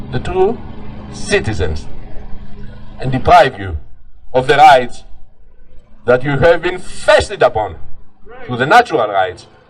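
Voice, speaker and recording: A man with a French accent at a fairly slow pace, with very wide pitch swings, long and frequent pauses, and noticeable background noise. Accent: foreign accent, French-tinged. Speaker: political candidate. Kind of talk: political speech.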